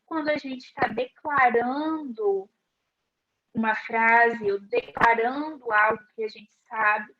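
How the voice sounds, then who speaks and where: A woman teacher explaining a class lesson slowly and clearly, asking rhetorical questions. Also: fairly high pitch, pushed and bright. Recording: dull lo-fi recording.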